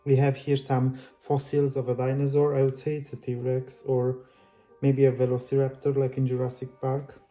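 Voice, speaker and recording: Chatty man with a flat, mellow voice. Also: medium pitch, moderate pace, faint music behind. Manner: friendly, chatty, loose phrasing with restarts. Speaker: book channel host. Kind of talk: casual book flip-through vlog.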